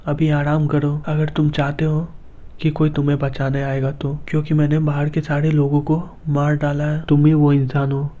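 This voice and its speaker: A man voicing a fierce young man who threatens coldly and protects a woman he cares for, read in a flat, even way. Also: on the high side, normal speed, close to an everyday voice. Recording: dull lo-fi recording.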